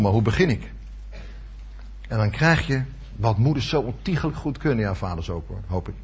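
A man's voice: mid-range voice, slightly rough. A man in his sixties, a retired teacher, giving a devotional sermon. He tells stories and acts out his own inner thoughts. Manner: storytelling, acting out inner thoughts. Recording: dull lo-fi recording.

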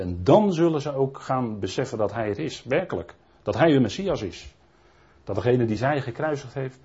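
A man's voice: mid-range voice, mellow, breathy edge. A man preaching a Bible teaching sermon in a rambling way, often adding tag questions and restarting his sentences. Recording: dull lo-fi recording.

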